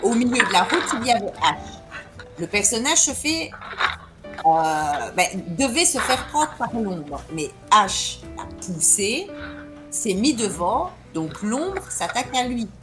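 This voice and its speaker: A woman with a French accent narrating a tabletop role-play game as game master, halting often with fillers. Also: mid-range voice, very animated, over music. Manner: hesitant, many fillers.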